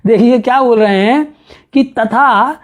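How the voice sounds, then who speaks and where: Lecturing on a classical astronomy text, a male professor reads verses slowly and then explains them with rhetorical questions and asides delivered with a chuckle. He has a high, slightly mellow voice with lively intonation.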